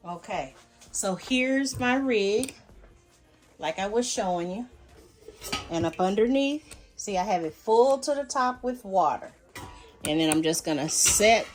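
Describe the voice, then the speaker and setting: Folksy woman casually walking viewers through steps, music behind. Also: on the high side. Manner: folksy, addresses viewers directly, step-by-step explaining. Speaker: homesteading vlogger demonstrating home canning. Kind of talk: casual instructional chat.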